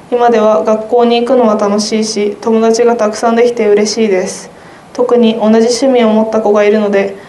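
A woman's voice: fairly high pitch, warm tone. Teenage girl reading earnestly in a roomy space. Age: teens. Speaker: student guest. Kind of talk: reading a personal essay aloud. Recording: roomy sound with faint noise.

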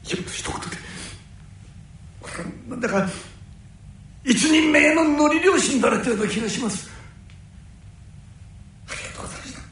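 A man playing a proud, hot-headed young nori fisherman who speaks in rough downtown slang. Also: very high voice, lively intonation, brisk, long pauses, a bit bright. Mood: moved. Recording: very echoey room.

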